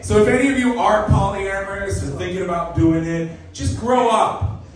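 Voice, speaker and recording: A young man from Canada doing a self-mocking, deadpan stand-up set in a comedy club, with lots of "you know". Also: high-pitched, moderate pace. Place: comedy club stage, live audience. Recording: echoey club recording from a distance. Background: audience laughter.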